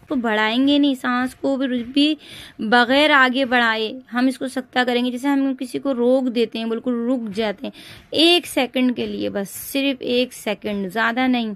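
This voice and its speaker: A woman's voice: fairly high pitch, steady tone, moderate pace, a bit bright, no room sound. A woman with a South Asian Urdu accent teaching Quran reading, spelling out syllables one by one and repeating them for her sisters. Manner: addresses listeners as sisters. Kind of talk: slow recitation lesson.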